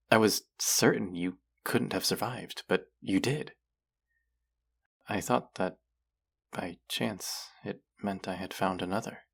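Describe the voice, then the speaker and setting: Man playing a low, creaky-voiced gentle immortal. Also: heavily acted. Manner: hesitant, confessional, softly reassuring. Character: thousand-year-old secretly immortal man, gentle, earnest, wry confidant. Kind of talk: intimate scripted audio roleplay.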